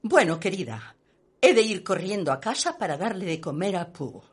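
Haughty, gossipy society lady with a husky voice. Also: fairly low pitch, very animated, moderate pace. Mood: disdainful. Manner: haughty, emphatic, theatrical. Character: snobbish, gossipy society lady visiting her friend. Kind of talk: Spanish radio play acting.

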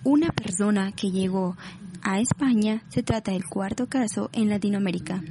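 A woman's voice: mid-range voice, normal speed, crowd noise. A woman voice actor acting out a demo reel, shifting from chatty sketch lines to formal news and radio reads. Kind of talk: voice demo with skits, newsreading, ad and radio host.

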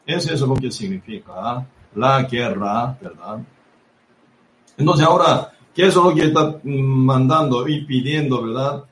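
A man preaching a sermon in language Bible teaching style, halting and repetitive, tagging nearly every phrase with a soft "¿verdad?". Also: mid-range voice. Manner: constant tag question "¿verdad?" dropping soft after each phrase. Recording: echoey room with faint ambient noise.

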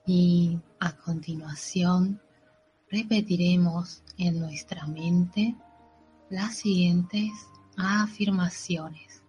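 A woman narrating a guided meditation in a soothing, unhurried way, with gentle pauses. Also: lowish voice, steady tone. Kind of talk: slow guided meditation with affirmations. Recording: dull lo-fi audio with soft music. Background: soft background music.

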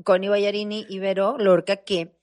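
A Mexican woman in casual chat, telling a story in an animated way and acting out the voices of people in it. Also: medium pitch, moderate pace.

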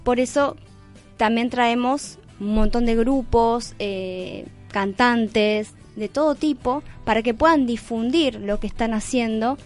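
A woman's voice: on the high side, slow pace, faint music behind. A woman with an Argentine accent co-hosting a radio talk programme. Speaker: radio co-host.

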